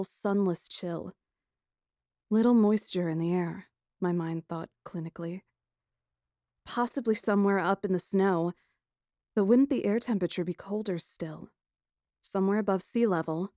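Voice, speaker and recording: A woman reading a first-person fantasy story as an audiobook narrator, dramatic and expressive. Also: mid-range voice, moderate pace, long pauses, no room sound, clean studio sound.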